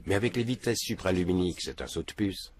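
A man's voice: deep voice, quick pace, a little mellow, slight background noise. An older man answering interview questions in a matter-of-fact, earnest way, seated in a small room. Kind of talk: documentary interview. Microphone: film crew mic off camera.

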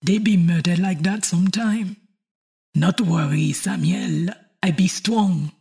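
Tough elderly woman, very raspy, creaky, French Caribbean accent, clipped broken English, audio drama. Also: lowish voice, slow, darkish tone, heavily acted. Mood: calm, dismissive.

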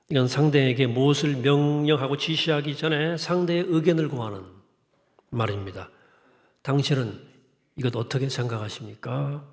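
A man's voice: a little high, darkish tone. A middle-aged male pastor giving a sermon in a conversational way, asking the congregation questions and reading scripture in a formal cadence. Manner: conversational preaching with rhetorical questions.

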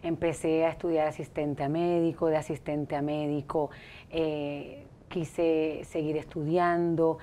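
A middle-aged woman from Puerto Rico with a Puerto Rican accent, a life coach speaking haltingly in a studio interview on a lapel mic. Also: deep voice, level tone, warm tone, slight background noise. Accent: Puerto Rican Spanish. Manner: hesitant, many fillers and restarts.

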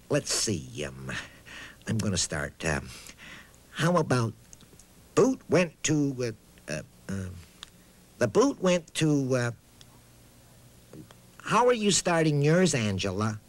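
A man's voice: mid-range voice, wildly swooping pitch, takes it slowly, long pauses, exaggerated voice. A man voicing a talking boot puppet on a children's reading show, eager and hammy, hesitating as he talks straight to young viewers. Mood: encouraging. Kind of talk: children's reading lesson, playful recitation.

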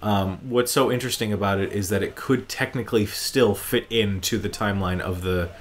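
A man's voice: on the low side, steady tone, brisk. A man hosting a gaming show, giving casual gameplay commentary in an informal, enthusiastic fan's manner.

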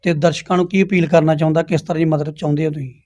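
A man's voice: on the high side, level tone, very fast, a little mellow. A man interviewing a guest for a news channel, asking long, probing questions.

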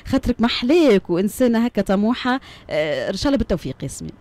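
A woman's voice: medium pitch, very animated, racing, a little mellow. A young woman with a Tunisian accent hosts a casual live radio interview in a chatty, encouraging way from a studio. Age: young adult. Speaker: radio host. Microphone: studio microphone and headset.

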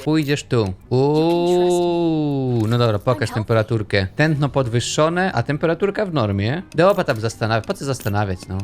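A man's voice: mid-range voice, animated, fairly quick, few pauses, a little hiss or hum. A young man giving playful, jokey commentary while playing a video game and chatting with its characters. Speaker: gaming YouTuber. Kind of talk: let's play commentary.

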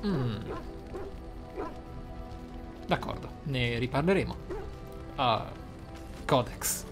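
A man commentates casually on a role-playing game. He muses aloud in an amused way, as if thinking for his character, while music plays clearly behind his voice. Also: mid-range voice, lively intonation, takes it slowly. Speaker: let's play host.

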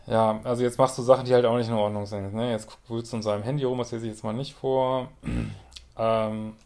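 A man with an ordinary mid-range voice and a lot of gravel in it, working through a viewer's letter. He comments as a psychologist, blunt and frank. He often caps his points with a quick tag question. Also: mid-range voice, level tone, a little mellow. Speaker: psychologist and couples therapist.

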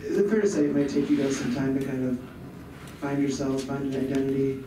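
A man's voice: mid-range voice, steady tone, brisk. A male sports reporter asking rambling, multi-part questions at a postgame press conference. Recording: very echoey room, far from mic, background noise.

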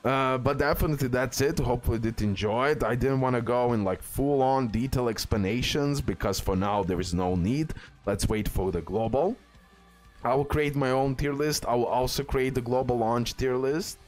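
A man's voice: mid-range voice, normal speed. Informal, hyped male gaming commentator over music. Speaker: gaming YouTuber. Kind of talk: casual game tier list commentary. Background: background music.

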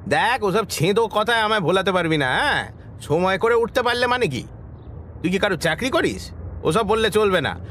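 A man's voice: sits high, lively intonation, normal speed, fairly bright tone, slight background noise. An actor playing a good-natured, insistent middle-aged village man chatting familiarly with an old friend in an audio story. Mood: coaxing, insistent.

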